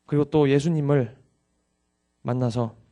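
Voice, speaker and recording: A man's voice: mid-range voice, unhurried, dark tone. A young male pastor giving a dawn service sermon, confessing his own past candidly before turning to earnest exhortation.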